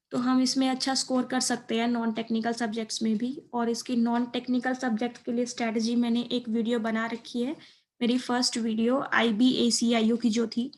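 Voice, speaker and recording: A woman's voice: on the high side, a little mellow. A woman giving an informal exam-preparation explainer, mixing in English terms and often checking in with a short tag phrase. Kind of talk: informal explainer lesson over slides.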